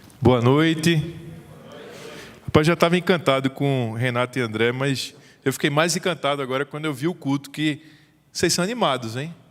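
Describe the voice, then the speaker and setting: At a moderate pace, a man with a northeastern Brazilian accent speaks with a fairly high voice and ordinary pitch variation, leaving long, frequent pauses. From Northeast Brazil, Recife. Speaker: pastor. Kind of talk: sermon.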